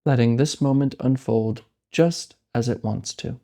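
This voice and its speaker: A man with a soft-edged, mellow voice guides a meditation. His pitch sits in an ordinary male middle range. He phrases things gently and leaves deliberate space between thoughts, giving simple, calm instruction.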